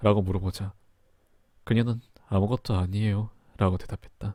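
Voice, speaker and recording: A man's fairly low, dark, mellow, somewhat breathy voice at a fairly quick pace, with fairly even intonation, on a very clean recording with a silent background. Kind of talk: romance roleplay story narration.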